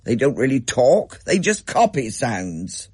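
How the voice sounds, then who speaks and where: A man's voice: mid-range voice, sing-song, unhurried, a little mellow, breathy edge, dry recording, clean studio sound. A man playing a stern, opinionated father who lays down the rules. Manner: stern, firm.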